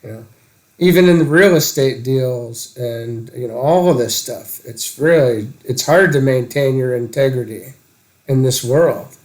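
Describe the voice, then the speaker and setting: A man in casual, reflective conversation, halting and tentative as he searches for words. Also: mid-range voice, a little mellow, low-quality recording.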